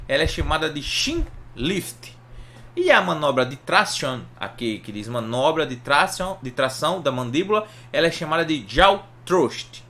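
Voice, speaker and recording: A man's voice: fairly high pitch, fairly bright tone. A Brazilian man giving an informal lesson in Portuguese with a Brazilian accent, explaining didactically, asking and answering his own questions and often checking that listeners follow. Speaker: health educator, online presenter. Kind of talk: informal anatomy lesson to camera.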